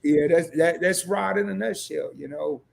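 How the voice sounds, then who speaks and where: A hoarse man who has nearly lost his voice, chatting on a livestream as a co-host and turning rousing and emphatic, repeating himself as he gets worked up. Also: on the high side, moderate pace. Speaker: fellow credit YouTuber and co-host. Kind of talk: casual livestream chat.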